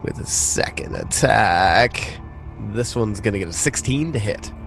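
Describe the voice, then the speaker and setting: A man's voice: on the low side, lively intonation, unhurried, gravelly, a bit bright, soft background music. A man casually narrating a tabletop game as game master, in informal, sweary language.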